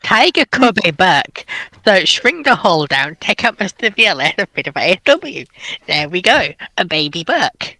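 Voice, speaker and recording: Lively, bright-voiced man. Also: high voice, normal speed, no echo. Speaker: livestream panelist. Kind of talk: casual banter.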